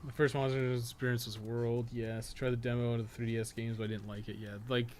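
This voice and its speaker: A man's voice: mid-range voice, flat delivery, fast talker, a little mellow. A man giving casual, rambling live gameplay commentary, thinking aloud and swearing freely as he goes. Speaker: game streamer and podcast co-host. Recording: clearly noisy stream audio.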